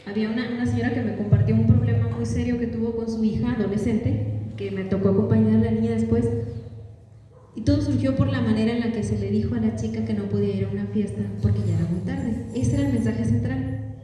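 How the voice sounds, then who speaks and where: A woman's voice: on the high side, fairly even intonation, quick pace, dark tone. A woman giving a live talk to parents, often checking in with the audience through questions. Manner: engages audience with frequent questions. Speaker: parenting workshop speaker. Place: large echoey hall. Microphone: distant from the mic. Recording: echoey hall from far off, faint noise.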